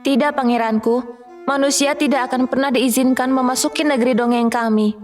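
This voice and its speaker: A woman's voice: high voice, fairly even intonation, a little fast, a little mellow, soft background music, lightly acted. A woman playing a young lovelorn fairy, earnest and dramatic, in a children's fairy tale cartoon. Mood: sad, tender.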